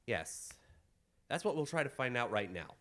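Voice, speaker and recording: An actor playing a confident, commanding gentleman detective in a radio mystery, formal and theatrical. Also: medium pitch, very animated, moderate pace. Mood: composed, probing. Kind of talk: old-time radio mystery acting.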